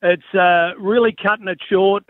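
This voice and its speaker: A man's voice: sits high, unhurried, no room sound. Fired-up Australian man on a phone line. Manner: animated storyteller, wry and fired up. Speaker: former football coach, radio guest. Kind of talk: casual radio interview. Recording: dry tinny phone line.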